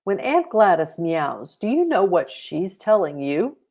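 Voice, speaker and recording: A woman voicing a patient, loving mother in a children's storybook, gently teaching in a measured way. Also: on the low side, very animated, exaggerated voice. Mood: gentle, patient. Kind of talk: children's storybook read-aloud.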